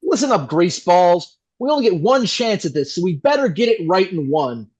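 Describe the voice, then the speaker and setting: A man's voice: high voice, sing-song, normal speed, darkish tone, breathy edge, dull audio, heavily acted. A man playing a slick, enthusiastic 1960s radio host who can turn into a crude jerk. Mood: bossy, irritated. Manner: enthusiastic, showy patter. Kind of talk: 1960s radio announcer acting.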